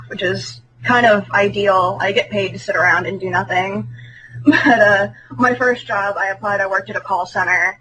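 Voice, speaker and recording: A woman's voice: mid-range voice, slight background noise, rough recording. A woman in her twenties, a guest on a casual talk show who talks openly about her work and laughs often. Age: 20s. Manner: laughs often, relaxed and candid. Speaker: guest, phone sex operator. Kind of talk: casual chat.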